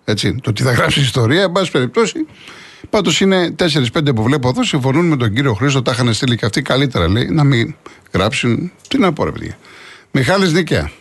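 A man hosting a sports call-in radio show, calmly taking callers and giving brief agreeing replies. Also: mid-range voice, husky, dry recording. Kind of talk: casual call-in chat.

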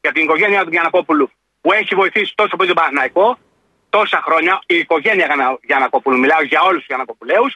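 Man, radio caller, insistent, repeats himself, high voice, very sharp tone. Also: no room sound. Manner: insistent, repeats words rapidly. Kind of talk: casual call-in chat.

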